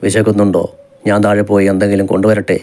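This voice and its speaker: A man voicing a young husband in an audiobook romance, firm and commanding yet gently coaxing. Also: lowish voice, little pitch movement, quick pace, natural voice. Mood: tender.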